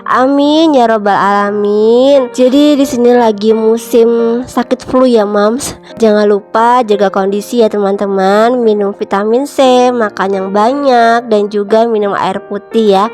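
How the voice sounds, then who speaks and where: A woman in her thirties narrating a home cleaning vlog, her voice a little nasal from a cold, chatting warmly to viewers she calls moms and friends. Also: on the high side, steady tone, a little slow. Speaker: home vlogger, mother. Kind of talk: casual chatty voice-over narration. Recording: faint music behind voice-over.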